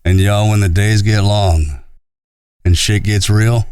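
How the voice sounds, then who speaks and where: A man's voice: lowish voice, fairly even intonation, takes it slowly, darkish tone, smooth, no room sound, studio quality. A man chatting casually as a podcast co-host in a laid-back, folksy, salty-tongued way. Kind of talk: casual chat.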